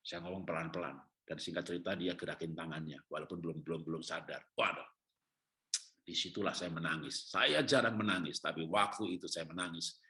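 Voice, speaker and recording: A middle-aged man preaching a sermon as a pastor, telling his own story with humor, then sinking into quiet, heavy stretches. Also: sits low, fairly quick. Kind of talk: sermon with personal testimony.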